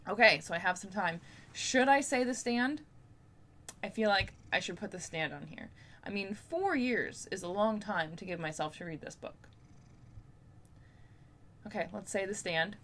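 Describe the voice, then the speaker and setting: A woman's voice: medium pitch, animated, normal speed, pauses often, a bit bright. A young woman chatting casually to camera as a book vlogger, in an informal, rambling, playfully self-deprecating way. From Canada.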